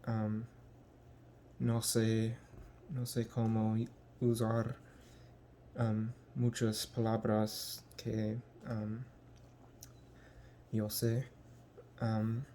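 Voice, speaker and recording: A young American man from the United States, talking casually in a vlog and haltingly searching for words with many ums. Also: lowish voice, monotone, warm tone, slight background noise. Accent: American English. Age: young adult. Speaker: language learner.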